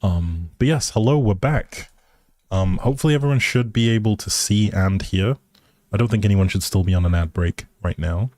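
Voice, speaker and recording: A man's voice: fairly low pitch, normal speed, darkish tone, no room sound, clean studio sound. A man casually chatting with viewers as he hosts a game stream, easygoing and rambling in a hesitant way. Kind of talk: casual chat with viewers while gaming.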